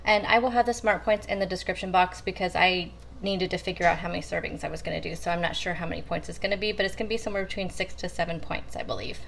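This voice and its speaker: This woman's voice sits on the low side, fast and creaky yet fairly bright, over a little hiss or hum. She casually talks viewers, whom she calls "you guys," through her weekly meal prep in a chatty way at her home kitchen counter.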